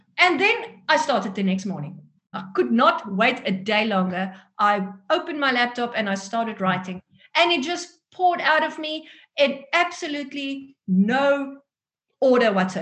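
With a South African accent, a woman speaks at a high pitch that swings very widely. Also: moderate pace. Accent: South African Afrikaans-accented English. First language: Afrikaans. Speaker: author. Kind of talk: interview.

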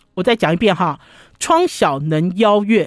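Speaking at a fairly slow pace, a woman with a normal speaking voice uses lively intonation at a medium pitch. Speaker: radio host. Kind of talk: radio food talk show monologue. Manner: chatty with many fillers.

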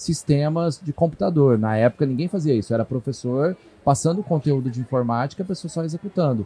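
Speaking at a fairly quick pace, the man has a dark, mellow tone and lively intonation. His voice is somewhat breathy. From interior of São Paulo state. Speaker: education franchise executive. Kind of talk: casual chat. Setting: trade fair.

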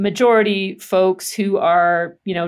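With a Canadian accent, a woman talks in a normal speaking voice, fairly low in pitch and fairly even in intonation, on a very clean recording with a silent background. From Canada. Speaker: journalist and author. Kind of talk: interview.

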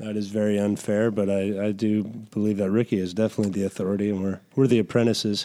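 Rushing at a very fast pace with hardly any pauses, a man speaks in a flat monotone, his fairly low voice dark and mellow. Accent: Western Canadian. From northern Alberta, Canada. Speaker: country duo singer. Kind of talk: casual chat. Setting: recording studio.

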